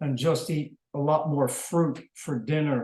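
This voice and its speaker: Very slow and somewhat breathy, a man speaks in a fairly high voice with a dark, mellow tone and fairly even intonation. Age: 70s. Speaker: tennis coach and sports nutritionist. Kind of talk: interview answer.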